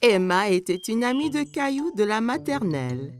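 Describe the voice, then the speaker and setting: A woman reads scripted narration for a children's cartoon. Her storytelling is expressive, with lively swings in pitch. Music plays clearly underneath her. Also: normal speed.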